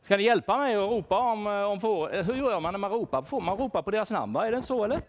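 A man's voice: high-pitched, a little hiss or hum. A man playing a worried shepherd who searches for his lost sheep, speaking with children in a church and asking them to help him look and call out names. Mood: searching, playful. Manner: animated, asks children questions, calls out names. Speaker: children's talk leader. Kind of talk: playful role-play for children.

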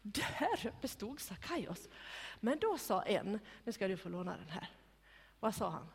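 Husky woman telling a Bible story to children. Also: mid-range voice. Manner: animated, coaxing, directs children, drops to whispers. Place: large church room with children. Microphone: microphone on a stand. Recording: long hall reverb.

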